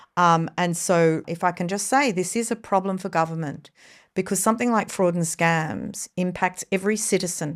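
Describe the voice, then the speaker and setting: A woman with an Australian accent talks at a moderate pace, her medium pitch held in fairly even intonation. The recording is very clean, with a silent background. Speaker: former industry association CEO. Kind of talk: podcast interview. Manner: frequent fillers and repetitions.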